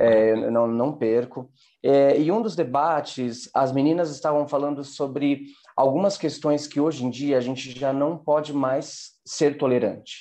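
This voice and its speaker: A man with a fairly high-pitched yet dark, mellow voice talks at a fairly slow pace. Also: ordinary pitch variation, quiet background. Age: 30s. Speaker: singer-songwriter. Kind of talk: casual interview chat.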